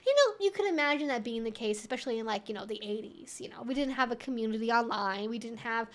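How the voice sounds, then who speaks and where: A woman's voice: on the high side, animated, quick pace. A woman hosting a casual livestream Q&A, explaining things in a candid, conversational way with frequent asides. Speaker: livestream host, educator.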